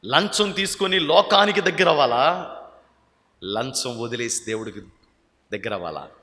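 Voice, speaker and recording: A male pastor with a Telugu accent, preaching a sermon and calling out questions to his congregation, pressing them to answer loudly. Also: medium pitch, lively intonation, normal speed. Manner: calls out questions to the congregation, urging loud answers. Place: church hall. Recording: echoey hall with long reverb.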